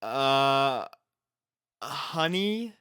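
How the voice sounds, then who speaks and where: Man acting a slow-spoken, caring young man. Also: medium pitch, big pitch swings, sharp tone, clean tone, dry recording, clean studio sound, pitched above the performer's own voice, exaggerated voice. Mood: cautious. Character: caring, patient young man, steady and reassuring. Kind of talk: fan fiction audio drama dialogue.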